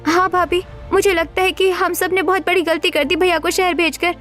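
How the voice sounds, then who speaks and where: A woman's voice: very high-pitched, little pitch movement, normal speed, a bit bright, faint music behind. A woman voicing an anxious young sister-in-law in a cartoon story, earnest and pleading. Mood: worried.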